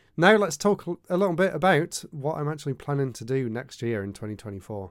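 With a British accent, this man talks at a moderate pace in a fairly high pitch with lively intonation, on a very clean recording with a silent background. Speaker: YouTuber and podcast host. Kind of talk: solo monologue.

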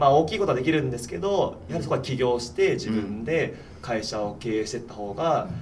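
This man talks at a fairly quick pace, his medium pitch carried by lively intonation and big swings in loudness. Room echo is audible, and there is noticeable background noise. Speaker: healthcare startup CEO, former TV announcer. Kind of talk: casual interview.

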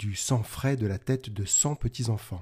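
On a very clean recording with a silent background, a man with a dark, mellow, somewhat breathy tone speaks at a fairly slow pace. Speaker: storyteller. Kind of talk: storytelling, reading a folk tale aloud. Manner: animated, playful; measured, expressive, voicing characters.

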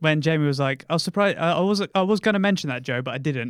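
A man with a British accent, speaking very fast with lively intonation, in a very clean recording with a silent background. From UK. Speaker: podcast host. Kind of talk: casual chat.

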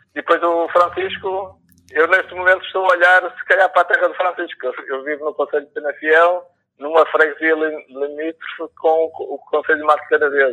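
A man's high, bright, sharp voice with fairly even intonation at a moderate pace. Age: 40s. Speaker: caller. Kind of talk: casual chat. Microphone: phone held to studio microphone.

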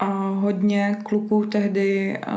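Noticeable background noise and audible room echo surround the recording. A woman speaks at a medium pitch. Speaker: podcast host. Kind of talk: interview.

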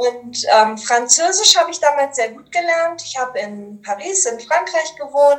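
The woman's intonation is lively while her pace stays fairly slow. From Germany. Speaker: German teacher. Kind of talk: casual interview.

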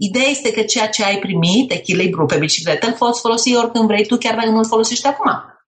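A woman talks at a very fast pace with hardly any pauses, in a fairly high pitch with ordinary pitch variation. Noticeable background noise can be heard. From Romania. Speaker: course instructor and entrepreneur. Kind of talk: interview. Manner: halting.

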